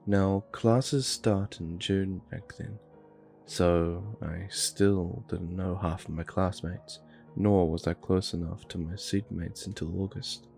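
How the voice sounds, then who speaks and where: A man with a very deep, gravelly voice reads out a creepy story at an unhurried pace. His tone stays flat and even as faint music plays underneath. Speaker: narrator. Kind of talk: scripted horror story narration.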